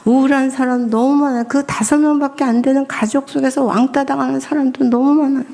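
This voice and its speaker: A woman's voice: high voice, fairly quick. A middle-aged woman missionary preaching at a Friday prayer meeting, asking the congregation questions. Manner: lively, asks the congregation questions. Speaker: missionary and family counselor.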